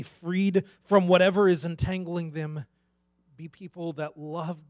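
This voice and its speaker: A man's voice: on the high side, a little mellow. A man in his thirties, a pastor, preaching in an earnest, conversational way on a church stage into a handheld mic. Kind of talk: sermon.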